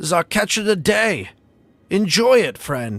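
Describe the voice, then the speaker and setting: A man puts on a gruff character voice, pitched high with very wide pitch swings, at a moderate pace. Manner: friendly, gruff.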